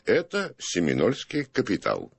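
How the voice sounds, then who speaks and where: A man in a studio discussion, explaining things in an emphatic, deliberate storytelling way with pauses. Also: lowish voice, wildly swooping pitch, vocal fry, a loud crowd.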